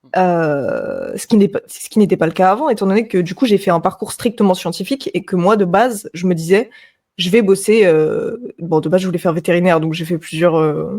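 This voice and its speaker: A dark, mellow tone at a fairly quick pace. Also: woman, medium pitch for a woman, ordinary pitch variation. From southwest France, Toulouse. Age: 20s. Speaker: voice actress and actress, neuroscience student. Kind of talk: casual podcast interview.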